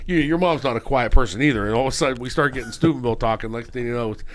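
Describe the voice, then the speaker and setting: A man on a podcast telling a long, animated story, acting out what people said and leaning on "you know what I mean". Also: mid-range voice, rapid-fire, a little hiss or hum. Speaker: podcast co-host. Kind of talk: casual storytelling chat.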